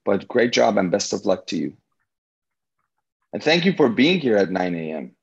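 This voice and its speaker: A man whose first language is Farsi, giving an energetic, motivational talk to students as a guest speaker on a video call. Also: on the low side, moderate pace, vocal fry, slightly rough, muffled recording. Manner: energetic and motivational, with frequent restarts.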